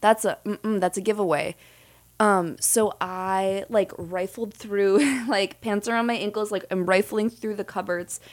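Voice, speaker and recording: Speaking fairly slowly with a slight Wisconsin accent, a woman keeps a medium pitch and fairly even intonation. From Wisconsin, US Midwest. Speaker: humor writer. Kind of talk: casual chat.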